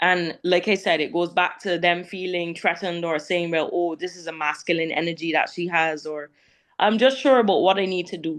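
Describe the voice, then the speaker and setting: Against a quiet background, a woman with a Barbadian accent talks at a fairly quick pace in a fairly low pitch. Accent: Bajan English. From Barbados. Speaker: reggae singer. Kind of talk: interview. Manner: animated.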